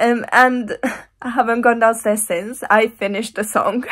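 A woman with a British accent, her pitch fairly high, her pace moderate, against a quiet background. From UK. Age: 20s. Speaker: vlogger. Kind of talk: casual vlog chat. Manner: chatty, hesitant with fillers. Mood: amused, laughing. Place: home room. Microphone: phone near.

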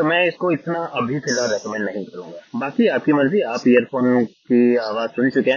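At a moderate pace, a man with a medium pitch and a slightly husky edge speaks with lively intonation.

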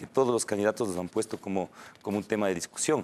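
Talking at a very fast pace, a man with a fairly low voice shows ordinary pitch variation. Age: young. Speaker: presidential candidate; candidate. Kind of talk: televised political Q&A. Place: studio. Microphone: lapel.

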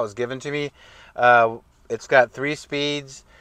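A man talks at a moderate pace in a bright, sharp tone. The sound is dry with no echo over a quiet background. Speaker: car-living vlogger. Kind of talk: casual vlog tutorial. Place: car. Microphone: lapel.

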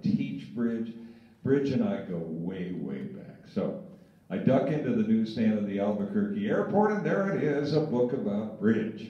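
Audible room echo surrounds a man speaking at a fairly slow pace. His pitch swings very widely. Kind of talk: storytelling talk to audience. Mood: humorous anecdote. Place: hall.

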